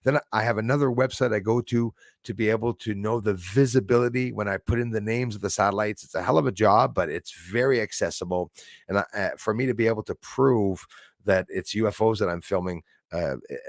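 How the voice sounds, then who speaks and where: In studio-quality audio with no echo, a man from Quebec, Canada, hosts a casual livestream, rambling through the chat with frequent fillers in his Quebec English accent. His voice sits on the low side, and he talks briskly.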